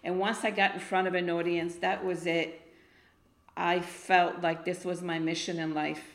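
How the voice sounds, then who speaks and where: Middle-aged argentine-born woman, blunt and emphatic, low-ish voice, roomy echo. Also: level tone, moderate pace. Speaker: guest poet. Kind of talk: casual interview chat. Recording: echoey room.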